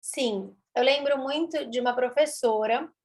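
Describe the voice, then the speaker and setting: A fairly high-voiced woman talks as an interview guest. She explains things in an animated way, stacking up repeated words for emphasis. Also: unhurried. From Brazil. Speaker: speech therapist guest.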